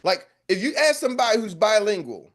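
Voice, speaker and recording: A man's voice: sits high, very animated, fairly quick, a bit bright. An American man coaching a group call in a fiery, preacher-like motivational style, repeating lines for emphasis. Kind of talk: motivational pep talk.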